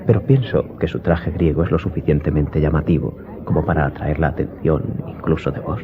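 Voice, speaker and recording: An actor playing a courteous young gentleman in a radio drama, speaking with formal politeness. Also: rumbling low, brisk, crowd noise. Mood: polite curiosity. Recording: dull lo-fi sound, loud music behind.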